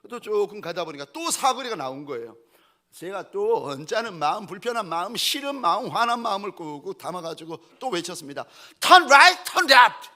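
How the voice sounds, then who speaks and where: A middle-aged man preaching as a pastor, telling a story with sudden swings from loud cries to near whispers. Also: high voice, expressive, brisk. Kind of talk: sermon.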